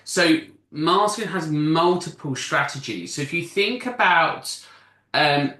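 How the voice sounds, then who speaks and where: A man's voice: a little high, takes it slowly, bright, forceful tone, echoey room. A man in a casual panel discussion who explains at length in long stretches, often restarting his sentences. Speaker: panel guest explaining masking.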